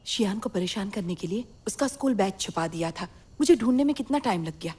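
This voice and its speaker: A woman dubbing a middle-aged mother who speaks softly to her husband and turns sharp when she scolds. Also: mid-range voice, expressive, fast, slightly rough. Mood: calm. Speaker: dubbing voice actor. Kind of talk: Hindi dub of a drama series.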